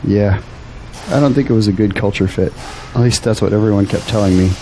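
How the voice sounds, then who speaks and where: A man's voice: on the low side, brisk, warm tone, a little hiss or hum, close to an everyday voice, poor audio. An actor playing an earnest, hopeful young Christian man in an audio drama. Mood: candid, polite. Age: young adult.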